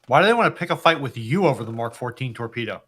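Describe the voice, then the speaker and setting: A man with a bright, forceful voice at a medium pitch joins an informal history panel. He argues his points by repeating and building on short phrases. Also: expressive, fast, husky. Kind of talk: casual history discussion.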